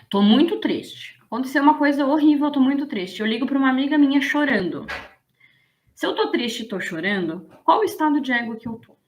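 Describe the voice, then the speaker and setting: A woman, explaining ideas in a casual, animated lesson and checking in with her listeners. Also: sits high. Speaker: business management instructor.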